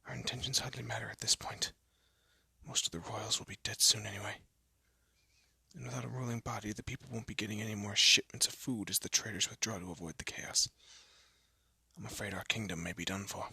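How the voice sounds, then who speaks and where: A man playing a haughty but secretly soft young elf prince in a scripted roleplay audio drama, with a pompous, formal manner and a breathy, often hushed voice. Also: on the low side, steady tone, a little fast, dry recording, heavily acted. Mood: dismayed, grave. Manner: pompous, formal, flustered stammering.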